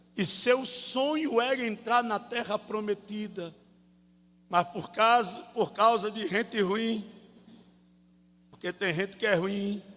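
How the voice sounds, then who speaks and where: A man speaks in a high, raised, projected voice at a very slow pace with long, frequent pauses. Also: ordinary pitch variation. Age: 50s. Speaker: missionary pastor. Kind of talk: sermon. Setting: church service.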